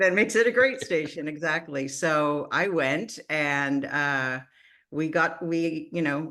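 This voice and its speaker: Against a quiet background, a woman with a very deep, low pitch speaks very slowly, her tone bright and sharp and her intonation lively. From Boston area, US. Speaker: retired radio news co-host. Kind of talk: casual chat.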